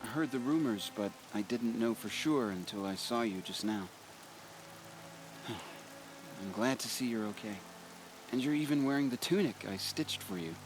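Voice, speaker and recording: An actor playing a kindly tribal stitcher in a video game, speaking with an earnest, gentle and admiring sincerity. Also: male voice, medium pitch, a little slow, close to an everyday voice. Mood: relieved, admiring. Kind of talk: video game dramatic dialogue. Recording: clearly audible rain and hiss behind.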